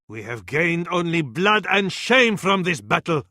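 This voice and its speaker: A fervent Arab military advisor from a strategy game speaks in a high, bright, forceful male voice with an Arabic accent, mournfully addressing a sultan in theatrical video game voice acting. His exaggerated, ornate delivery is sing-song, a little slow, and laden with proverbs. The recording is very dry and close, with no room sound.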